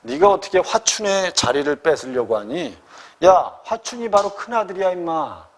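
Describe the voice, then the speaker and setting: A man's voice: high voice, very animated, normal speed. A man voicing a scheming, stern middle-aged stepmother who scolds and accuses in a story read aloud. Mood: accusing.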